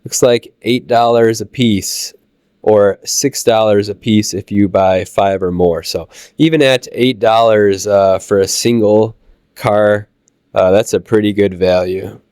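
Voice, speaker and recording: A low-voiced man with a Midwestern American accent talks his way through a train show, relaxed and halting with plenty of "uh"s. His voice is smooth and clear despite a lingering cold. It sits close and dry on the mic, with no room sound. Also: no room sound. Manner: relaxed, halting with many "uh" fillers. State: recovering from a cold. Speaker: channel host touring a train show. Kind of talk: casual walkthrough narration.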